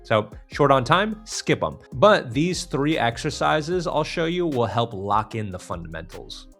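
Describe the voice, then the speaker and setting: A man with a mid-range, gravel-edged voice coaches the listener through a singing technique tutorial. He explains each step directly to the viewer in an instructional style. Faint music plays behind him. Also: medium pitch, very animated, unhurried, fairly bright tone. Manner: demonstrates exercises step by step, direct address. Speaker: vocal coach.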